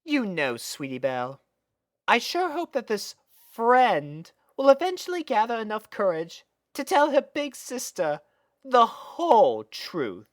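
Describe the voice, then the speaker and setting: A woman's voice: a little high, huge pitch swings, measured pace, no room sound, studio quality, voice pushed up. A woman voicing a coy, genteel older-sister pony, theatrical and knowing, in a storybook reading. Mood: sly. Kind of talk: storybook character voice in a fan fiction reading.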